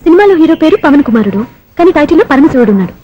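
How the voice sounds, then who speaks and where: A woman playing a sharp-tongued young woman who scolds and teases with quick retorts in a film comedy scene. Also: sits high, sing-song, dull audio, over music. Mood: teasing.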